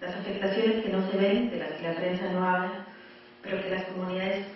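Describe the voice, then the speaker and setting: A woman's flat, monotone delivery at a moderate pace, with strong room echo and light background noise. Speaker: journalist giving keynote lecture. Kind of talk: lecture. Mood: serious, somber. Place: hall.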